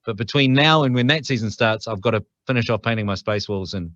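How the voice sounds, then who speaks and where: A man's voice: on the low side, fast, a bit bright, dry recording, dull audio. A middle-aged man with a New Zealand accent, a podcast guest telling stories in a chatty way with frequent restarts. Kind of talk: casual interview chat.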